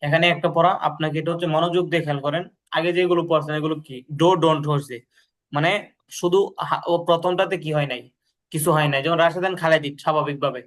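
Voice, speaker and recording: During a grammar lesson, a tutor with a fairly high, fairly bright voice and a steady tone reads English sentences slowly before giving the translation. He patiently goes over drills again and confirms the student is following.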